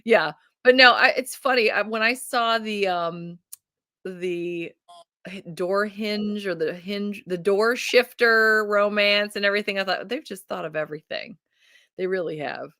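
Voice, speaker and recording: Bright, dry-voiced woman book host. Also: medium pitch, measured pace, dry recording. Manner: enthusiastic, reads viewer comments aloud, laughs often. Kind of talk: casual livestream book chat.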